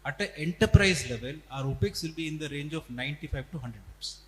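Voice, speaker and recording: A man's voice: fairly high pitch, animated, quick pace. Echoey Indian man explaining company figures. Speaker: company executive answering analysts. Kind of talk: earnings call explanation. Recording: echoey reverberant hall, faint noise and hum.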